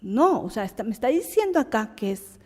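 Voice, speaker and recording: A woman's voice: fairly high pitch, big pitch swings, a little fast, breathy edge, long reverb tail. A woman from Guatemala with a Guatemalan Spanish accent, teaching a Bible lesson in a conversational way, asking and answering her own questions.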